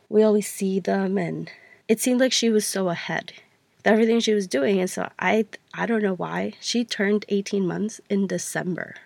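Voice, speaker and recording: A young woman hosts her podcast in a relaxed, meandering way, circling back and correcting herself often. Her voice sounds stuffy from allergies and has a gravelly fry to it. The recording is close and dry. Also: mid-range voice, no room sound. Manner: chatty, rambling, self-correcting with many fillers. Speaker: podcast host. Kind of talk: casual solo podcast talk.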